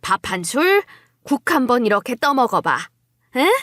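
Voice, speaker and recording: A woman's voice: on the high side, very animated, moderate pace, fairly bright tone, no echo, clean studio sound. A woman acting a scheming middle-aged mother-in-law in an audio drama, coaxing with false sweetness and feigned innocence. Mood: falsely sweet, coaxing.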